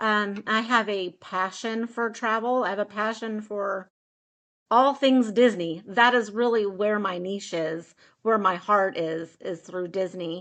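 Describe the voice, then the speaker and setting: A woman with an American accent talks at a fairly slow pace in an unremarkable speaking voice. Her pitch is medium, with ordinary variation. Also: quiet background. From Florida. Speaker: travel agent. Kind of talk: interview.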